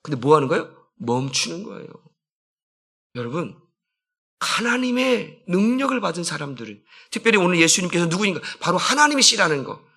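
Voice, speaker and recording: Guy pastor giving a sermon, chatty, tosses questions at the crowd, pitch swoops around a lot. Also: big pitch swings, fairly quick, creaky, pushed and bright, husky. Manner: conversational, asks the congregation questions, acts out quotes. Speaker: senior pastor.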